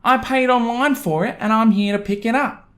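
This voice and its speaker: A man voicing a haughty, indignant, demanding mother in a storytelling narration, with a shrill delivery. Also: fairly even intonation, moderate pace, a bit bright. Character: pushy, indignant entitled middle-class mother, adult woman.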